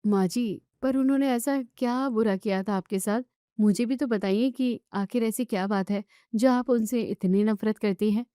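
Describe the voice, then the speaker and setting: Woman doing a sweet young bahu, earnest and gentle, a bit higher voice, dry sound. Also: moderate pace, smooth, no echo, close to an everyday voice. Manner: pleading, earnest. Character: kind young daughter-in-law, dutiful and gentle.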